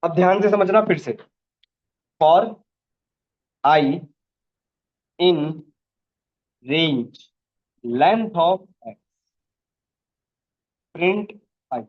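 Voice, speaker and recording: A man teaches a programming class. He questions the students often and repeats each point slowly. The recording sounds dull and lo-fi. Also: on the high side, expressive.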